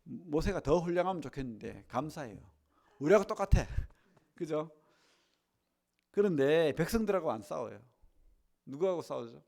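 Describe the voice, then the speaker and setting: A man preaching a sermon to his congregation, chatty, asking for nods, dropping to a near hush and then rising to loud emphasis. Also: on the high side, animated, moderate pace, creaky, pauses often. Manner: conversational preaching with tag questions; swings between hushed and loud emphasis. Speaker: pastor. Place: church sanctuary.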